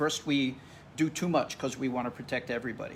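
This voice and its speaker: An ordinary speaking voice from a man, pitched in the medium range, with ordinary pitch variation. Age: 60s. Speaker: doctor, epidemic expert. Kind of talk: interview.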